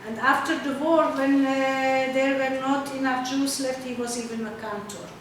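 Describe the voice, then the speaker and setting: An older woman whose first language is Hungarian, presenting her artwork at an exhibition opening in halting speech full of fillers. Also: sits high, steady tone. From Czechoslovakia. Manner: halting, searching for words, many fillers. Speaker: artist presenting her work. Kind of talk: slideshow talk at an exhibition opening. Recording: echoey hall from far off, noisy.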